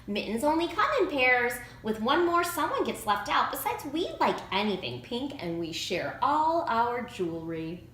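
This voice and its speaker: A woman's voice: on the high side, sing-song, normal speed, a bit bright. A woman voicing a jealous, easily hurt young schoolgirl from a storybook, in a whiny, pleading manner. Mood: insistent, defensive. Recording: roomy echo, faint background noise.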